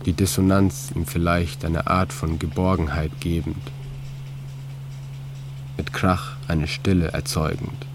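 A man reading his own literary prose in a calm, measured, reflective way. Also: deep voice, background noise. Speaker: author and narrator. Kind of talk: scripted literary narration.

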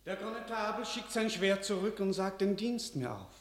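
High-voiced, theatrical weak king. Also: very animated, moderate pace. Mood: haughty, careless. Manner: theatrical, declamatory. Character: weak, emotional French king, helpless and self-pitying. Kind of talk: classical radio drama acting.

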